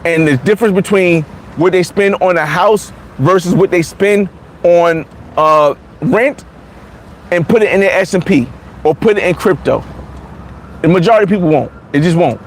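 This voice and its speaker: A man in his forties with a high-sitting voice talks at normal speed over a little hiss or hum. He's a vlogger on a casual livestream reading comments, blunt and repetitive, restarting his sentences often.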